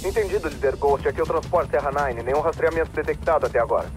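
Terse helicopter pilot on the radio, higher voice, short by-the-book callouts. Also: male voice, quick pace, over music. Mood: calm. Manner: clipped radio protocol talk. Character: male military helicopter pilot, terse and professional. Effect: military radio transmission. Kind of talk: dubbed video game dialogue.

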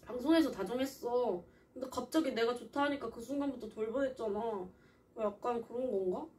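A woman complains on a live stream, sulky and on the edge of crying. Her voice sits a little high. She is slightly distant from the mic. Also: fairly quick, a little mellow. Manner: sulky, complaining, voice breaking into tears. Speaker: streamer co-host. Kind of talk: casual chat on a live stream.

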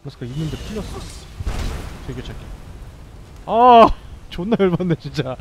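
A young man streaming a game, commenting live and swearing, with sudden yelled bursts. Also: fairly high pitch, animated, quick pace, a little hiss or hum. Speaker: gameplay streamer.

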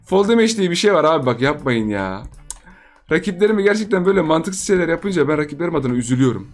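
A man's voice: fairly high pitch, very animated, fast talker. A man giving playful gameplay commentary for his channel, chatty and laughing often as he talks straight to his viewers. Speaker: gaming channel host.

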